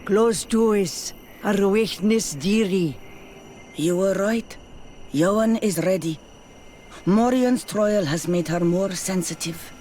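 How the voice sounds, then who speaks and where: A man acting a gentle, reverent tribal mystic in a video game, speaking deliberately. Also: sits high, slight background noise.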